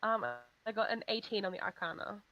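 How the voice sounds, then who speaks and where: A woman's voice: medium pitch, steady tone, fairly quick, pushed and bright, highs cut off. A woman taking part as a player in an online tabletop game, speaking in a friendly, careful, chatty way.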